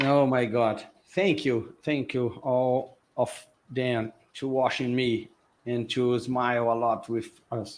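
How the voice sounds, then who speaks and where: Very slow, fairly even speech from a man with a Brazilian accent, medium in pitch. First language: Portuguese. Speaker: management consultant and coach. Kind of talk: casual podcast chat in second language. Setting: live online stream. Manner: halting.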